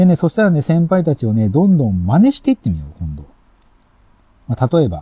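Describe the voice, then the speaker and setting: A somewhat breathy man's voice swings very widely in pitch and greatly in loudness. The sound is dry and close, with no echo. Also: fairly quick pace. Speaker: podcast host and company executive. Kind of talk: talk to staff at training session. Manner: casual, many filler words.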